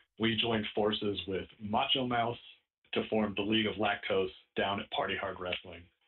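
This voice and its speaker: A man with an American accent and a fairly low pitch speaks at a moderate pace with fairly even intonation in a plain, everyday voice. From Omaha, Nebraska, US Midwest. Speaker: pro wrestler and artist. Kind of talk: casual interview chat, storytelling.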